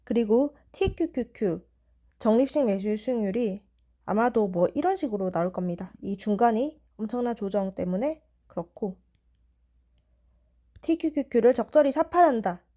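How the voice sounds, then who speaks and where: A young woman in her twenties calmly walking through stock chart analysis. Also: a little high, normal speed. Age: 20s.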